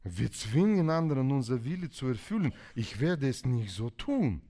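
Animated preacher. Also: male voice, medium pitch, normal speed. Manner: animated, acts out quoted couples in varied voices. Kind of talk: sermon.

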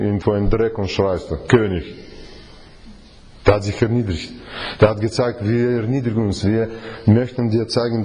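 A man's voice: fairly low pitch, dark tone, husky. A man gives an informal sermon to a Bible study group, often restarting and asking rhetorical questions. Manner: halting, many restarts and fillers, asks rhetorical questions. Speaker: preacher leading a Bible study.

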